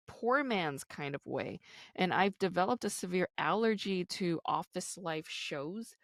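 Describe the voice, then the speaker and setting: A woman's voice: low-pitched, a bit bright, no echo, clean studio sound. A woman in her thirties hosting her own podcast, talking candidly and casually with lots of "like" and "you know". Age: 30s. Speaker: podcast host. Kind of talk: casual solo podcast talk.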